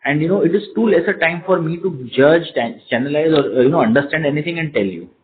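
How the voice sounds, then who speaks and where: A man's voice: on the high side, animated, quick pace, phone-quality sound. A man with an Indian accent answering investor questions as a company executive, hesitant and often repeating words and phrases, over a phone conference line. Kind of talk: earnings call question and answer.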